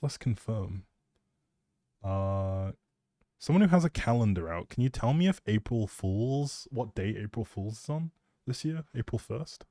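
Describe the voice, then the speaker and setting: Recorded with studio quality and no echo, a young man with a fairly low, dark voice chats on a game livestream. As a live streamer and audio creator, he rambles in a playful, jokey way and answers his viewers.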